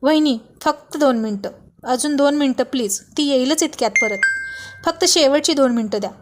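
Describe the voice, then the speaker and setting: Storybook role: a smitten, bashful young brother-in-law, pleading and eager, read by a woman in a fairly high voice. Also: moderate pace, music in the background, lightly acted.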